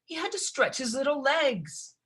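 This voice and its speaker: A woman voicing a spoiled, whiny young stepsister in a storybook reading, pouting and shrill. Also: very animated, moderate pace, fairly bright tone.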